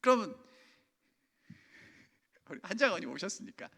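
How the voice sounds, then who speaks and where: Male senior pastor, emphatic sermon full of questions to the pews, bright and tense tone. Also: high voice, big pitch swings, normal speed, vocal fry, husky. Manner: emphatic, asks the congregation questions. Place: church sanctuary. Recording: long church reverb.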